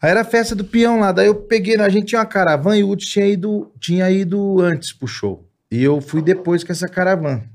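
Animated Brazilian storyteller, fairly high voice. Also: male voice, fast talker, hardly any pauses. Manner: animated, laughing, acts out the people in his stories. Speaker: singer and guest. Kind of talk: storytelling in casual chat.

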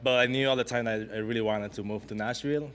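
A man from Rico, a bass player chatting in an interview in an easygoing way with many pauses and fillers. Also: steady tone, fairly bright tone, slight background noise. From Puerto Rico. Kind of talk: casual interview chat.

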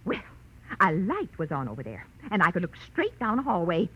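A low, husky American busybody spinster, prim and scandalized, her chatter swooping wildly. She is a gossipy neighbor in a 1940s radio play, heard on a muffled old recording. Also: wildly swooping pitch, a little fast, exaggerated voice. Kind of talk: 1940s radio character acting.

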